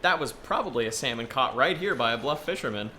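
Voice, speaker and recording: Casting: friendly young male Yeti tour guide played by a man, bright, lively, chatty, light noise behind. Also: mid-range voice, quick pace. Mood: proud, informative. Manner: chatty, earnest, enthusiastic explainer. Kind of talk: audio drama dialogue.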